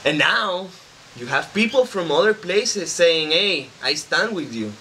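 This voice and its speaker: Slow bright-voiced young man. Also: on the high side, expressive, a little hiss or hum, low-quality recording. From Puerto Rico. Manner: slow, earnest, with many fillers. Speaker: volunteer builder. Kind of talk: interview answers. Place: outdoors by a bottle wall.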